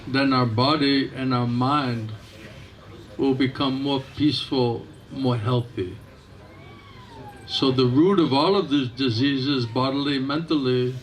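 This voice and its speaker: A man, a monk, giving an informal spiritual talk in a temple hall, speaking gently and conversationally and repeating back what he hears. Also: mid-range voice, a little hiss or hum. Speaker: monk answering questions.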